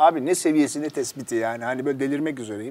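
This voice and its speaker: A man's very fast speech with ordinary pitch variation. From Gaziantep, Turkey; Turkey. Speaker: actor and writer; actor. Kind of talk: casual chat. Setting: studio. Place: studio. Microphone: lapel.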